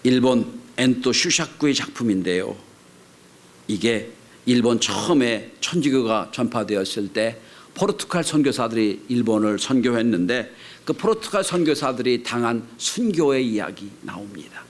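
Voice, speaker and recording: Korean pastor preaching with dramatic swings. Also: male voice, medium pitch, animated, moderate pace. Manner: dramatic swings between loud exclamations and hushed whispers. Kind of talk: sermon.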